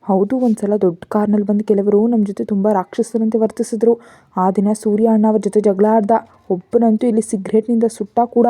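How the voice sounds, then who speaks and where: A woman's voice: medium pitch, little pitch movement, brisk, warm tone, dry recording, lightly acted. A woman voicing a chatty, eager ten-year-old boy who tells tales in a storybook reading. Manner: eager, tattling.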